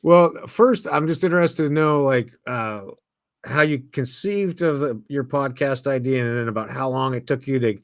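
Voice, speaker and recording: Host: man with a mid-range voice and a dry, close sound, eager and halting. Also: mid-range voice, dry recording. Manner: eager, stumbling questions. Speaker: podcast host. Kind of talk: interview hosting.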